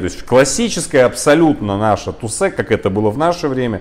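The speaker talks at a very fast pace with lively intonation. There is noticeable background noise. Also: man. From Surgut, Russia. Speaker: radio host. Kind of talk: casual chat. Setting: studio.

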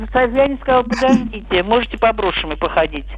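Over noticeable background noise, a woman speaks at a fairly high pitch. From Moscow. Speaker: caller. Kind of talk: phone-in question.

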